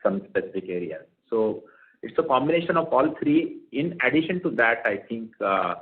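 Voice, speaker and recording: A man, a company executive answering questions on an earnings call in halting phrases with repeated words. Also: mid-range voice, very animated. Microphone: telephone conference call. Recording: tinny narrowband conference phone line.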